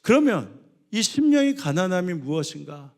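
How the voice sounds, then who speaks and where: A man preaching a sermon as pastor, swinging between loud, impassioned cries and low, hushed passages. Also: very animated, normal speed. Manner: rising to impassioned shouts when voicing biblical cries, then dropping low and soft.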